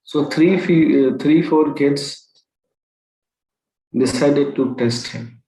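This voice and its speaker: A man, a spiritual teacher telling a story to an online group, slow and pausing, often asking his listeners questions. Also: fairly high pitch, warm tone. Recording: roomy echo.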